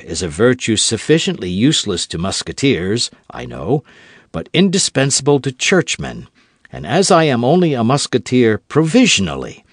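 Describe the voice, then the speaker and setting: A man voicing a suave young musketeer who is half a churchman, speaking in a measured, dryly mocking, controlled way in an audiobook. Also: mid-range voice, dry recording, studio quality. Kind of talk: audiobook character voice.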